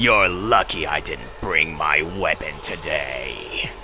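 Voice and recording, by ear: A man speaks in a put-on character voice at a very slow pace. Background noise is clearly heard.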